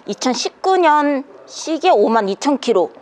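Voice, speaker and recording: A woman's voice: sits high, sing-song, measured pace, a little mellow. A young woman presenting a used vehicle in an upbeat, polished salesperson's patter. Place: indoor parking garage, later inside truck cab. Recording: background noise in parking garage.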